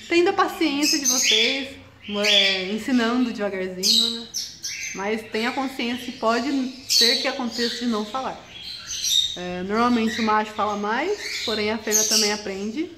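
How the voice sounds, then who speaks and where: A woman's voice: fairly high pitch, normal speed. A young woman chatting casually about her pet parrots, scolding them playfully, in an indoor bird room. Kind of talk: casual chat to camera. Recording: echoey room, loud bird noise. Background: loud parrot squawks and chirps.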